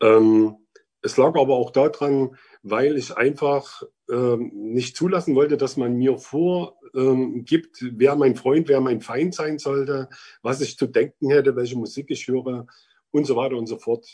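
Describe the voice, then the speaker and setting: Speaking at a fairly slow pace, a man with a dark, mellow tone keeps a medium pitch with ordinary pitch variation. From Vogtland, Saxony. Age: 50s. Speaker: former youth detention inmate. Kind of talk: testimony.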